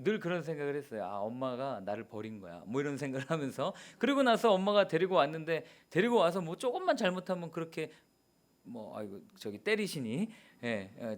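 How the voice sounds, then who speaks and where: Man, pastor, sermon, lively up-and-down delivery, fairly high voice. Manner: animated storytelling, rising to emphatic preaching. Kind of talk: sermon with personal story. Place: church sanctuary.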